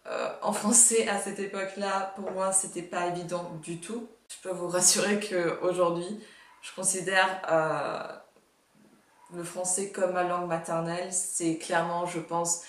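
A woman's voice: lowish voice, level tone, distant mic. Chatty nineteen-year-old woman, roomy sound. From Russia and Canada. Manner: chatty, self-mocking, quick asides. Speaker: youtuber reacting to her old videos. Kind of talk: casual reaction vlog. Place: home office at a desk. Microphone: earphone headset mic.

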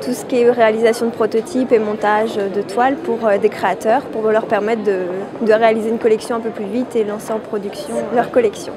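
A woman's voice: a little high, steady tone, brisk, few pauses. A young woman in her twenties interviewed at a crowded trade fair, earnestly explaining her project. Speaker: aspiring business founder. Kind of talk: street interview. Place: busy indoor exhibition hall. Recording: busy crowd noise behind. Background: crowd chatter.

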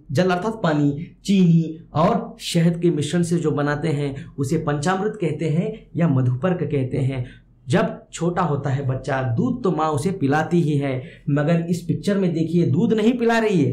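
Brief: male Hindi teacher, high voice, explains each verse through repetition, echoey room, faint hiss. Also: a little mellow. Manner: repeats words and gives synonyms, pitch rising when quoting verse. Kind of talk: explaining a poem line by line.

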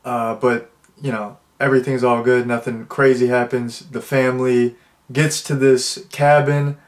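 A man's voice: medium pitch, flat delivery, measured pace. A young man with a stuffed-up nose casually reviewing a movie, rambling with many restarts and fillers. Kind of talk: casual spoken review, thinking out loud.

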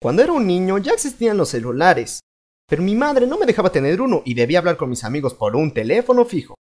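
A young man with a Latin American Spanish accent narrating a comedic cartoon storytime with an animated, playful delivery. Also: high-pitched, fast. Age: young adult. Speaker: fandub narrator.

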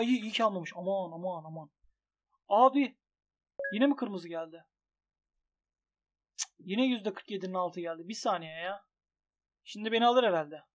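A young man commenting on his bets as a gaming YouTuber, excitable and swinging from grumbling to shouting. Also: sits high. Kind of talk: commentary on an online gambling site.

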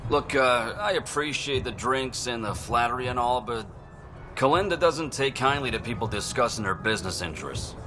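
A reluctant young outlaw with an average-pitched, everyday voice. He sounds hesitant and guarded, as in game dialogue, with music clearly behind him. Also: expressive, normal speed, bright, forceful tone. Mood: wary, reluctant. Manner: hesitant, wary. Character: reluctant, wary, beaten-up young human male outlaw. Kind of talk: video game dialogue acting.

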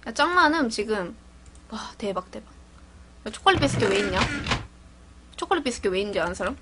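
A woman gaming YouTuber giving casual gameplay commentary, chatty and narrating her own actions with excited exclamations. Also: mid-range voice, brisk, noisy background.

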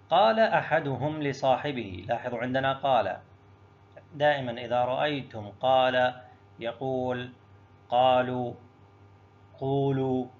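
In this exam review lesson, a male teacher addresses his students directly, breaking down every answer step by step and asking himself questions before he answers them. His voice is mid-range, and the recording has its highs cut off.

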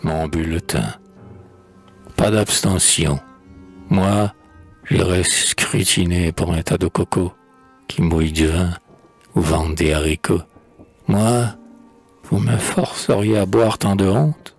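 A man's voice: low-pitched, fairly even intonation, takes it slowly, long pauses, slightly rough, faint music behind. A man giving a theatrical, declaiming recitation of verse, swinging between sudden rises and drops. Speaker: poetry reader. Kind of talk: dramatic poetry recitation.

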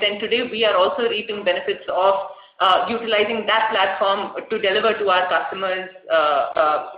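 An Indian-accented woman speaks as a company executive on a conference call. Her voice is a little muffled behind a face mask. The line sounds dull and roomy, with noticeable echo. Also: medium pitch. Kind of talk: prepared remarks on an earnings conference call.

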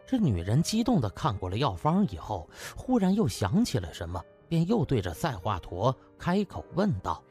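A man's voice: medium pitch, wildly swooping pitch, normal speed, few pauses, darkish tone, soft background music. A man narrating a comic novel as a scripted, dramatic audiobook.

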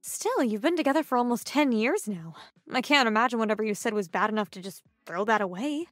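A woman's voice: fairly high pitch, animated, a little fast, no echo, clean studio sound, faint music behind, close to an everyday voice. An actress playing a teasing, sympathetic female coworker in a casual audio drama scene.

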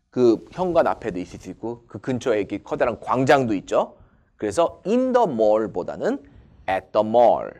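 A male English teacher with a very animated voice that swoops up and down. He talks slowly and reads each English example with deliberate care. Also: mid-range voice. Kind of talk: online English lesson.

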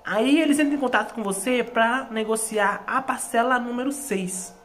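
A woman's voice: a little high, normal speed, a little hiss or hum. A woman with a São Paulo accent, talking casually to her phone camera at home, rambling with many fillers and restarts. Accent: São Paulo Portuguese. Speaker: vlogger. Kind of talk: casual chatty vlog. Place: at home indoors.

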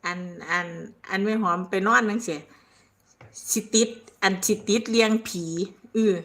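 Older isan lady rambling on a livestream, bright voice, laughs a lot. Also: mid-range voice, unhurried. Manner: chatty and rambling, laughs often, calls herself by name. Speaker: livestream host. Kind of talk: casual live-stream chat reading viewer comments.

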